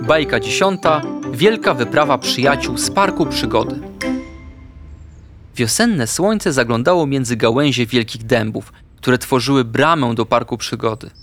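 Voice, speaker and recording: A man narrating a children's audio story with lively, expressive storytelling. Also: medium pitch, measured pace, over music.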